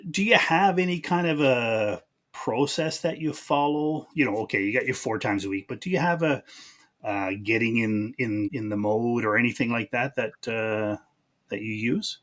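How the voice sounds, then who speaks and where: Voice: mid-range voice, moderate pace, fairly bright tone. A podcast host interviewing in a casual, informal way, with frequent short affirmations.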